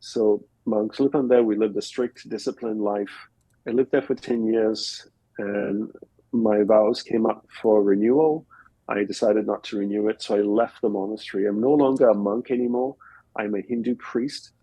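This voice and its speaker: Male guest from Australia, low-pitched and breathy, reflective and explanatory; dry close recording. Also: fairly even intonation, moderate pace, dark tone, no room sound, rough recording. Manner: reflective, explains in plain step-by-step examples. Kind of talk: relaxed conversational interview answers. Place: home in Costa Rica.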